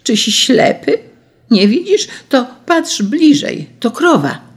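A reader shouting as an outraged old peasant. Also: medium pitch, animated, normal speed, creaky. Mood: indignant shouting. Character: angry old peasant farmer, indignant.

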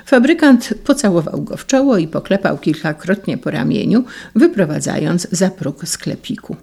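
Gravelly, low-voiced woman storyteller. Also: lively intonation, normal speed, warm tone. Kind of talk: literary story read aloud.

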